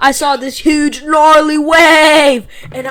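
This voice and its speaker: A put-on character voice, pitched high and shouted. It moves at a fairly slow pace. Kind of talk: slangy. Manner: laid-back, surfer style.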